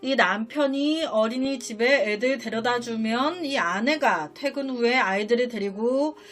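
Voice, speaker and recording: A woman's voice: fairly high pitch, a little slow, a little hiss or hum. A woman narrating a dramatic true-life story, talking straight to her viewers and sounding indignant at what she recounts.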